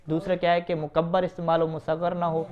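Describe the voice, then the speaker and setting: A man teaching Arabic grammar to students, asking them questions and answering them himself, reading Arabic quickly and then explaining it. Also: on the high side, completely flat delivery. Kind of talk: classroom lesson reading and explaining an Arabic text. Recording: dull, lo-fi recording.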